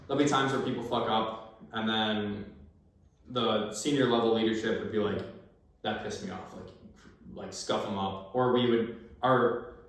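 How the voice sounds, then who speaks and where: An American man, a former army sniper, chatting as a podcast guest, swearing freely and acting out old conversations as he tells stories. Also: lowish voice. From United States. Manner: profane, storytelling, acts out quoted exchanges. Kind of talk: casual chat. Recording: very echoey room, far from the mic.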